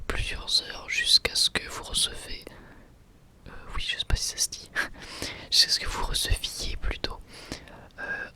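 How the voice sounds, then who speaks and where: A man speaking in a soft, breathy ASMR whisper, gently addressing viewers as a video creator.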